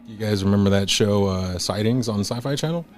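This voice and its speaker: A lower-voiced man, a guest on a podcast. He tells his stories in a laid-back, slangy way and keeps saying "dude". Faint music plays behind him. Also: fairly quick, darkish tone. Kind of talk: casual storytelling chat.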